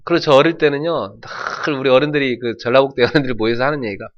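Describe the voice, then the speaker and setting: A middle-aged man from North Jeolla preaching a sermon as pastor, telling folksy stories and shouting out imitations. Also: mid-range voice, rapid-fire, dull audio, slight background noise. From North Jeolla, South Korea.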